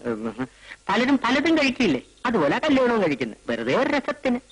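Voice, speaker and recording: An actor playing a playful bachelor uncle who teases and comforts children in a film. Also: male voice, extremely high pitch, wildly swooping pitch, fairly quick, exaggerated voice, poor audio. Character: jokey bachelor uncle, fond of kids. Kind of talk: film drama acting.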